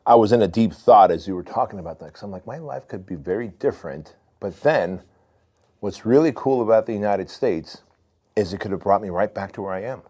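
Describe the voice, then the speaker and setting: A man's voice: on the low side, brisk, mellow. A man in his forties from Armenia, a podcast guest telling his story in a candid, loose way. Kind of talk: casual storytelling.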